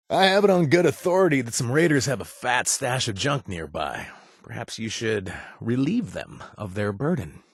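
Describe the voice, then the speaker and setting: A man playing a flirtatious, wry ex-raider ally in a video game, with a husky voice and a hesitant, teasing delivery. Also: lowish voice, dry recording, clean studio sound, full character voice. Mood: sly, enticing. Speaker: video game companion character.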